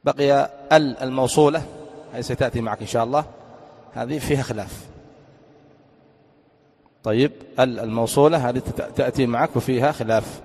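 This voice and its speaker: A male religious teacher giving an Arabic grammar lesson, often quizzing his listeners with quick questions. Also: medium pitch, fairly even intonation, darkish tone. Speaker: Islamic teacher. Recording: long echoing reverb.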